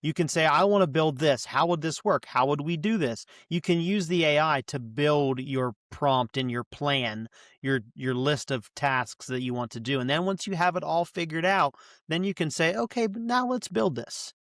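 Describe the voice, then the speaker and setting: A man speaking as a podcast guest, enthusiastically giving advice and quickly agreeing with the others. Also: a little high, a bit bright, no echo, clean studio sound. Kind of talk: casual podcast chat.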